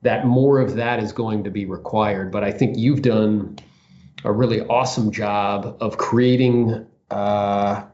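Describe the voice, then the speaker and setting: A man with a fairly low voice hosts a casual interview, building his questions slowly with plenty of likes and ums. The sound is dull and lo-fi. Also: fairly even intonation, darkish tone. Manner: thinks aloud with many fillers, like and kind of. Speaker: podcast host.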